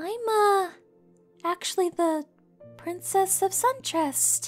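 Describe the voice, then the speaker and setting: A female-sounding put-on character voice is pitched extremely high for a woman. It moves at a very slow pace over faint background music. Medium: audio drama. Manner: soft-spoken.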